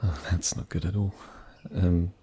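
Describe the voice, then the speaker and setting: Man playing a husky, low-voiced gentle forest mage. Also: fairly even intonation, measured pace, heavily acted. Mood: concerned, helpful. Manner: soft-spoken, hesitant, gently reassuring. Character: gentle, wary, kindly male forest mage. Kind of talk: fantasy ASMR audio roleplay.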